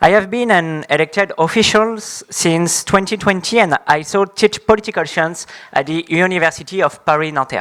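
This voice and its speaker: Speaking with a French accent and hardly any pauses, a man talks in a high voice at a fairly quick pace with ordinary pitch variation. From France. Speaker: deputy mayor and political science lecturer. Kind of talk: conference presentation; live translation of a promotional video. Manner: halting.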